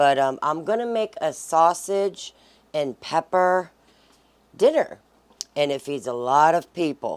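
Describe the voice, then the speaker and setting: Lively intonation marks this woman's fairly slow delivery. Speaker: cooking channel host. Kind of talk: cooking tutorial. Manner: casual, conversational.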